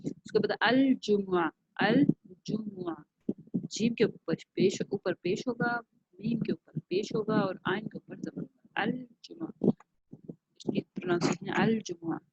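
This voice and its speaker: A woman with a Pakistani accent teaching a class online, sounding out words slowly and carefully and repeating them. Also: sits high, big pitch swings, creaky, a little mellow. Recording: dull lo-fi home recording.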